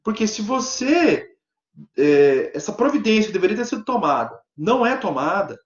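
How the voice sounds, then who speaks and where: A man with a Brazilian Portuguese accent, a law professor giving a live online lecture, explaining points and checking in with frequent "né?". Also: normal speed. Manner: explanatory, peppered with "né?" and "tá?" check-ins; animated pitch swings for emphasis. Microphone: computer mic on a video lecture platform. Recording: echoey, dull lo-fi online class audio.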